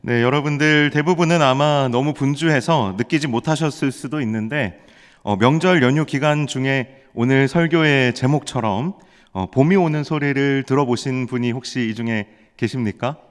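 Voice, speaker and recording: A man preaches a sermon to his congregation at a middle pitch, talking casually before rising to emphatic exclamations. His voice carries the long reverb of a large church sanctuary. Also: normal speed, clear, resonant tone. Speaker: pastor.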